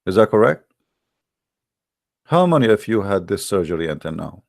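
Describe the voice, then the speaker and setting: Deep-voiced, gravelly Arab-accented man hosting. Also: very animated, normal speed. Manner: joking, sarcastic, teasing. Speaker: host of a live debate broadcast. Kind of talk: casual rambling live-stream talk.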